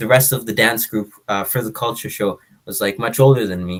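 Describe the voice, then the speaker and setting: At a moderate pace, a man with an Ethiopian accent talks at a medium pitch with ordinary pitch variation. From Saskatoon, Canada (born Oromia region). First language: Afan Oromo. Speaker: youth community member and language class assistant. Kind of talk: panel discussion. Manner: hesitant, many fillers.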